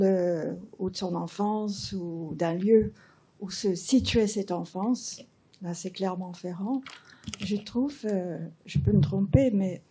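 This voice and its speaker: An older woman in the audience speaks up at a talk. Her voice is gravelly and husky, with a dark tone. She pauses often and chooses her words carefully. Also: medium pitch. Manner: thoughtful, measured, with pauses. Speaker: audience member.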